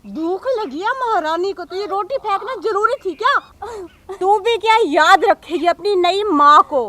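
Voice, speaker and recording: A shrill, high-pitched stepmother scolds her stepdaughter in a short film drama, harsh and cutting, played by a woman. She speaks slowly and deliberately, dragging out her threats. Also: bright, forceful tone, heavily acted. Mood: scolding. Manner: harsh scolding, then tearful remorse. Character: cruel stepmother who later repents.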